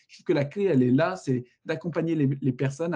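This man's voice is fairly high in pitch yet dark and mellow in tone, with a somewhat breathy quality. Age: 30s. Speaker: head of sales at a recruitment platform. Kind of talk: interview. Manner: hesitant, repeats words.

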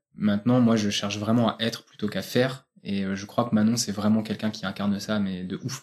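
A man speaks at a moderate pace. His voice is fairly low with fairly even intonation. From France, Centre region (Bourges). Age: 30s. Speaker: love coach. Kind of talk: interview about personal love story. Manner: casual, hesitant with fillers.

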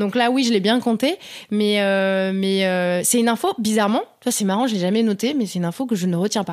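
A woman with a plain, everyday voice and fairly high pitch talks at a fairly quick pace with ordinary pitch variation on a very clean recording with a silent background. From northern France. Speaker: paper artist and art director. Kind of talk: casual interview. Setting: home studio.

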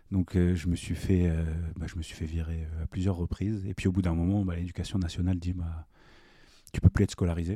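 In a very clean recording with a silent background, a man with a very deep, low pitch and a dark, mellow tone speaks fairly quickly, somewhat breathy and in a monotone, flat intonation. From Paris, France. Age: 30s. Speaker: psychotherapist and former boxer. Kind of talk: interview.

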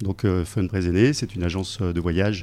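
A man speaks at a moderate pace, with very deep, low pitch. His tone is dark and mellow. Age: 50s. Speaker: travel company founder. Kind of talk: interview.

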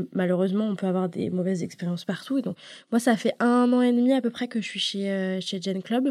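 A woman with a medium pitch and a dark, mellow tone speaks at a fairly quick pace with ordinary pitch variation, on a very clean recording with a silent background. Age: 20s. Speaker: community coordinator at an association. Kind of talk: round-table discussion. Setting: studio.

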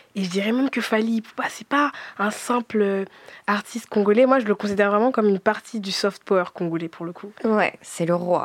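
In a dry, close recording with no echo, a woman with an unremarkable speaking voice talks at a moderate pace, medium in pitch with ordinary pitch variation. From grew up moving between Switzerland, Greece, Réunion and western France. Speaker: singer and rapper. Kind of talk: casual interview. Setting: studio.

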